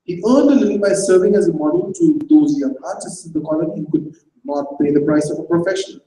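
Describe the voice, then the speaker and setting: A man's voice: on the high side, fairly quick, mellow. Man reading a story on a distant echoing stage. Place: festival stage, hall. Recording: echoey hall from far off.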